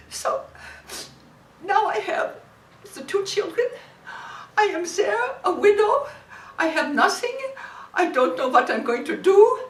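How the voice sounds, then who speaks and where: A woman playing a widow, high and halting. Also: exaggerated voice. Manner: halting, repeats words, searches for English words. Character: German war widow, emotional, broken English. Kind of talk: dramatic monologue. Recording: echoey room, distant mic, faint hiss.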